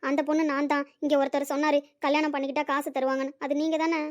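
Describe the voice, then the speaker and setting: Woman as a young woman pleading for help, high and fast, audio drama. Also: level tone, dull audio, lightly acted. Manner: pleading, urgent. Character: desperate young woman needing money for her father.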